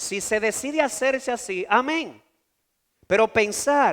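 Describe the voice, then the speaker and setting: A man's animated tone with lively intonation at a fairly slow pace, in a very clean recording with a silent background. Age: 40s. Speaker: pastor. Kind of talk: sermon.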